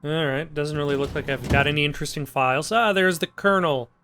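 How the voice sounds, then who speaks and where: A man's voice: a little high, fast, background noise. A man hosting a game playthrough, commenting casually with hesitant, rambling asides. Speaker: let's play host.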